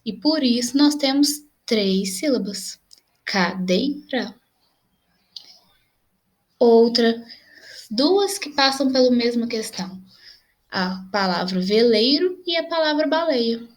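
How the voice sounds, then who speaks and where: Fairly high-pitched and animated, a young adult teacher with a Brazilian Portuguese accent explains grammar patiently on video. She slowly spells out her examples.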